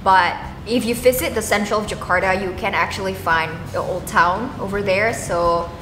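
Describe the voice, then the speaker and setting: A woman's voice: mid-range voice, normal speed, reverberant, big-room sound, music in the background, rough recording. A woman from Indonesia, chatting casually to camera as a vlogger and often checking in with viewers. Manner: chatty, often asks viewers okay and right.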